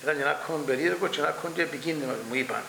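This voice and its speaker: A man's voice: a little high, gravelly. An older man with a Cypriot Greek accent, recalling past events in an oral history interview and acting out the dialogue as he tells it. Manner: animated storytelling, acts out dialogue. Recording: echoey room with faint hum.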